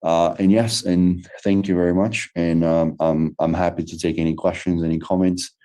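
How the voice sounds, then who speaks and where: Hesitant Brazilian man, deep flat voice. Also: moderate pace. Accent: Brazilian Portuguese. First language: Portuguese. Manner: hesitant, many fillers and restarts. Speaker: lecturer. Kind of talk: online lecture Q&A. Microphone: video call.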